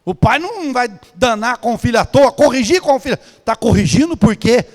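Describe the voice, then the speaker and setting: A male pastor with a Brazilian Portuguese accent, preaching a sermon that swings between soft passages and shouting. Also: very high-pitched, lively intonation, brisk. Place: large church hall. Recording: church hall with long reverb.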